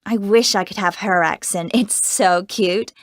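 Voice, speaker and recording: A cheerful American teenage girl actress, voiced by a woman chats easily in a scripted exam interview. She sounds close to the mic in a dry studio, and her American accent comes through clearly. Her voice sits at an ordinary pitch. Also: dry recording, close to an everyday voice. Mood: chatty. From United States. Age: teens. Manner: bubbly, chatty, quick to laugh. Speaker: young film actress being interviewed.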